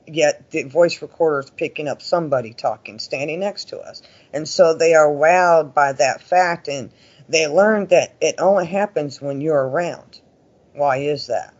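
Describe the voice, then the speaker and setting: A man talking casually as an interview guest, telling stories in a chatty, folksy way and often voicing quoted remarks. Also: on the high side. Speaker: interview guest, paranormal investigator. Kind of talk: casual conversational storytelling. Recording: dull lo-fi audio.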